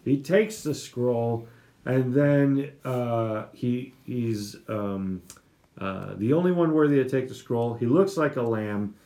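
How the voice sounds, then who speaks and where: A man's voice: mid-range voice, takes it slowly, dark tone. A young man hosting a casual Bible study chat, explaining a passage with many fillers and restarts. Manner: chatty, lots of fillers and restarts. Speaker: Bible study podcast host.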